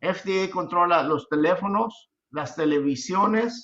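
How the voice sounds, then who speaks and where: Speaking at a very slow pace with a non-native accent, a man has a high pitch and ordinary pitch variation. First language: English (speaking Spanish). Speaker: customs broker and consultant. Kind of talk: webinar presentation. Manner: halting.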